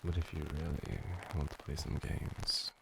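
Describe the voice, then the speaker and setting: A man's voice: rumbling low, flat delivery, moderate pace, vocal fry, background noise. A man playing a flustered, smitten young tutor in a whispered role-play, with a nerdy, awkward, stammering delivery. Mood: teasing, strained. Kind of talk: whispered role-play, boyfriend ASMR acting.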